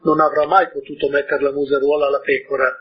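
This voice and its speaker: A man with a husky voice retelling a story to an audience, often breaking off with informal asides and questions to his listeners. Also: on the high side, flat delivery, fast, highs cut off.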